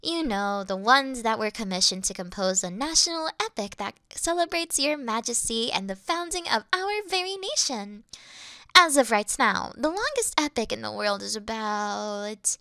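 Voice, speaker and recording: A woman's voice: on the high side, expressive, moderate pace, pushed and bright, smooth, no room sound, clean studio sound. A woman voicing a devoted female demon servant who worships her mistress, fawning and flustered in a scripted audio roleplay. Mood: adoring.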